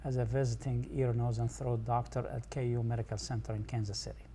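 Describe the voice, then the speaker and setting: Flat, mellow-voiced older Egyptian-born man. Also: medium pitch, quick pace, slight background noise. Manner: brief, matter-of-fact answers. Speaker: guest, audiologist.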